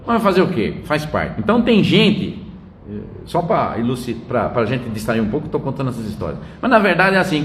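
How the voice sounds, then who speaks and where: A man's voice: medium pitch, a little hiss or hum. An older man giving a casual spiritual talk, telling anecdotes and tagging his lines with "né?". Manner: chatty storyteller, tags lines with "né?". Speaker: spiritist lecturer. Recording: roomy echo.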